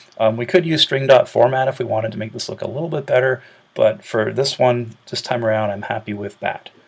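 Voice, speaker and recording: Amid noticeable background noise, a man talks in an upbeat tone at a fairly quick pace. His medium pitch shows ordinary pitch variation, and his loudness swings a lot. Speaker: high school computer science teacher. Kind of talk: tutorial. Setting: recording at home, screen capture. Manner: fast; casual, upbeat.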